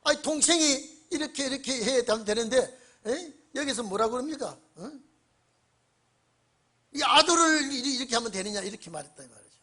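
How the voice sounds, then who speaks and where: Husky high-voiced male pastor preaching. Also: animated, moderate pace. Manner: emphatic, prods the congregation with repeated "eh?"; swings between loud bursts and low, quiet phrases. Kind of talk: sermon. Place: church sanctuary during an evening service.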